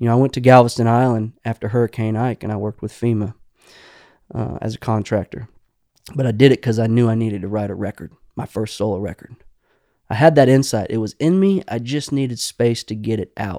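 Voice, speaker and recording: A man with a Texan accent at a medium pitch, dark and mellow in tone, talking at a fairly quick pace with ordinary pitch variation, dry and close with no echo, on a very clean recording over a silent background. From Houston, Texas. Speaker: singer-songwriter. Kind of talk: casual chat. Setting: home studio.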